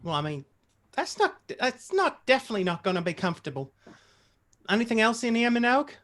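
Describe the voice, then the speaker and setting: A woman's voice: a little high, very animated, a little fast, fairly bright tone. A woman playing a friendly, literal-minded policewoman in a comedy table read, chatty and matter-of-fact. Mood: concerned. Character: friendly, concerned, literal-minded policewoman gently scolding partygoers.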